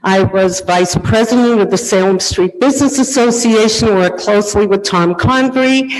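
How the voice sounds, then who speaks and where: A middle-aged woman from Medford speaking loudly and with rising passion during public comment at a council meeting. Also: medium pitch, normal speed, slight background noise. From Medford, Massachusetts. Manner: loud, impassioned, rising to shouting. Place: council chamber. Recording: reverberant hall, distant mic.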